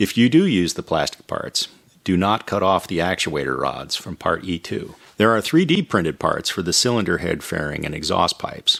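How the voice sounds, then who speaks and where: In an American accent, a man with a very deep, low pitch and vocal fry speaks at a moderate pace with lively intonation. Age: 50s. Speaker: scale model kit reviewer. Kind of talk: scripted narration.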